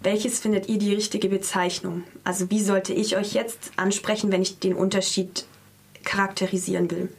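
A woman's voice: medium pitch, little pitch movement, normal speed, vocal fry, husky. A woman interviewing two guests, asking questions casually with frequent fillers.

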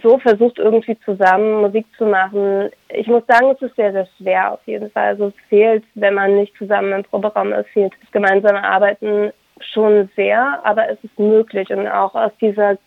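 A young woman, a Ukrainian native speaker from Germany, giving thoughtful interview answers as a singer and violinist, pausing to search for words. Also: mid-range voice, little pitch movement, creaky, dry recording. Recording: dry, tinny phone-like line.

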